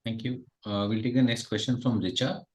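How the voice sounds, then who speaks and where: A man's voice: mid-range voice, fairly even intonation, fairly quick, a little mellow. A man moderating a conference call and handing over to participants.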